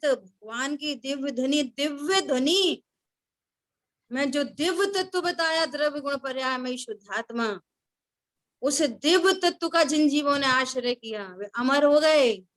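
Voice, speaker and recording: A woman's voice: high voice, a bit bright. A woman teaching a scripture class, who keeps questioning her listeners and repeating key words.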